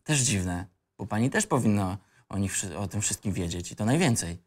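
A man's voice: lowish voice, expressive, moderate pace. An actor playing a cocky, disillusioned young male student in an audio drama script reading, with an insolent, ironic and reflective manner. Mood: cheeky, defiant.

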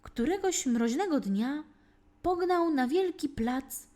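Woman storyteller, high voice, very lively intonation, dramatic deliberate phrasing, scripted children's narration. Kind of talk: scripted narration, expressive bedtime-story reading.

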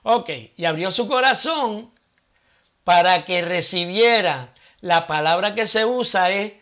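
A man's voice: high voice, slow pace, sharp tone. A man hosting his own channel, giving casual Bible teaching with rhetorical questions and thinking aloud.

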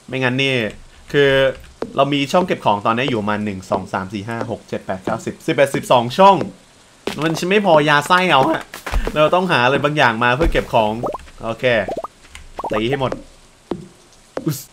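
Young man, let's play commentary, excitable, chatty, quick to exclaim, middling pitch. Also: slight background noise. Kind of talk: casual gameplay commentary.

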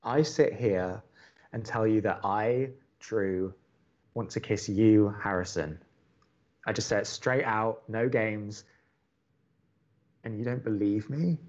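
A man playing an earnest, love-struck young college radio host in an audio drama, speaking in a deliberate, pleading way. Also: lowish voice, a little mellow, dull audio. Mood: earnest longing. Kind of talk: naturalistic audio drama acting.

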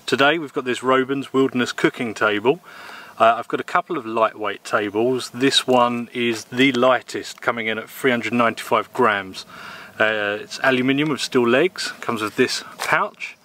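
A man in his thirties from England casually reviewing a camping table outdoors in the woods, with a relaxed manner and plenty of ums and uhs. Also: medium pitch, normal speed. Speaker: gear reviewer. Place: outdoors in woodland.

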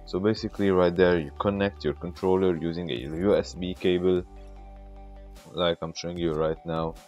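A man with a very deep voice talks the viewer through each step of a casual tech tutorial. His voice comes through a glitchy, bitcrushed mic that makes it sound robotic. Soft music plays faintly behind him. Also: highs cut off.

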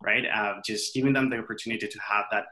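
Man presenting, low pitch, bright tone, halting delivery, echoey room. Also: fairly even intonation. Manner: halting, with fillers. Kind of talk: casual webinar presentation.

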